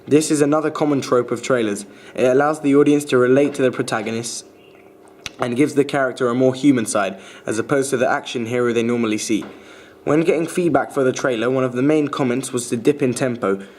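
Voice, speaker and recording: A young adult man reading a scripted analytical commentary in a formal, measured way. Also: medium pitch, darkish tone, slight background noise. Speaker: student filmmaker explaining their trailer.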